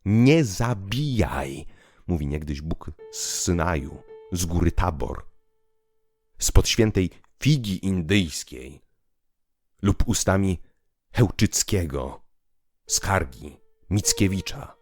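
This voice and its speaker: A man narrating literary prose in a theatrical, declamatory way, moving between hushed and emphatic delivery. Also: deep voice, expressive, takes it slowly, long pauses. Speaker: audiobook narrator. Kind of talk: dramatic literary narration with piano music. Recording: piano music behind the voice. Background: piano music.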